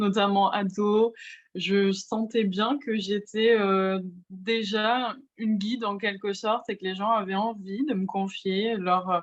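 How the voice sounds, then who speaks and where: Very slowly, a woman speaks in a flat monotone. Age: 30s. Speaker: relationship coach. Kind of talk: interview. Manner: hesitant, many fillers.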